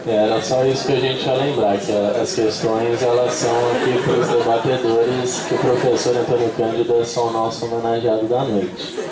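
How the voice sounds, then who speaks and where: A man with a Brazilian accent moderating a university panel, informal and brief. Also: fairly low pitch. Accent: Brazilian Portuguese. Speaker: event moderator. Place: university auditorium. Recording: echoey hall, distant mic, audience and noise.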